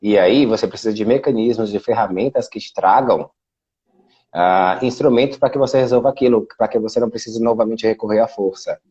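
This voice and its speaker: Brazilian man, husky low voice, dull video-call sound, chatty explainer. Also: a little fast, warm tone. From Brazil (Salvador, Bahia). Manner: explanatory, many fillers like "né". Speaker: guest, international relations specialist. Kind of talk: casual video interview. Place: Portugal.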